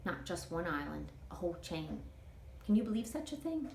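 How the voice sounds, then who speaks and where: A woman's voice: lowish voice, big pitch swings, moderate pace, creaky, reverberant, slight background noise. A woman reader voicing a folksy, motherly older woman from a children's storybook, with homespun turns of phrase. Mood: marveling.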